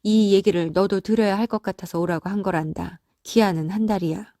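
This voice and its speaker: A woman's voice: medium pitch, steady tone, a little fast, dark tone, dry recording, studio quality, lightly acted. A woman voicing a hurt but firm older mother in a story, speaking with reproach and resolve. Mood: stern, measured.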